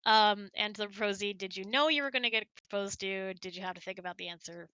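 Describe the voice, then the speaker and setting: A woman's voice: mid-range voice, fast, bright, forceful tone, clear, resonant tone, no echo. A woman hosting a casual question-and-answer chat in an informal, giggly, chatty way. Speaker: host.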